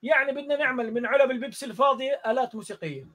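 High-pitched Jordanian man telling a story. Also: rapid-fire. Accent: Jordanian Arabic. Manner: animated, acts out dialogue in the story. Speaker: music teacher and guest musician. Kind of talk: casual storytelling in a live online interview.

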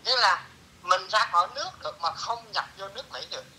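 A middle-aged man telling a story in a casual, lively way, slipping into broken English phrases. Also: sits high, fast, low-quality recording. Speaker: interviewee.

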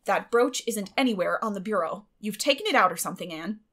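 A woman voicing a stern, suspicious middle-aged farm woman with a sharp, grim way of talking in an audiobook. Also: medium pitch, animated, a little fast. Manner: sharp, grim, clipped scolding.

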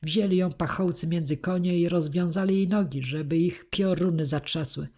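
A woman's voice: lowish voice, steady tone, moderate pace, dark tone, natural voice. A woman voicing a blunt, loyal young male squire, speaking plainly and practically in an audiobook. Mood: urgent.

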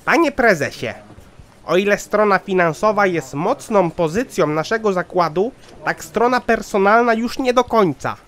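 A man's voice: sits high, lively intonation, normal speed, fairly bright tone. A man voicing a callous, dutiful foreman in a satirical cartoon, reporting formally and matter-of-factly.

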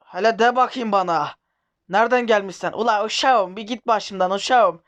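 A man's voice: high voice, normal speed, fairly bright tone, muffled recording. A man voicing a rustic male warlord with a put-on Black Sea Turkish dialect, bossy and folksy, as comic role-play over a game. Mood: gruff.

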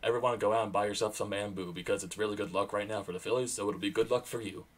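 A young man with a fairly low voice talks through the game from a small room at home, speaking into his webcam. He swings from calm to loud, excited bursts on the big plays. His throat is sore and his voice is starting to go. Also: fast talker. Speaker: sports vlogger. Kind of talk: excited fan game recap.

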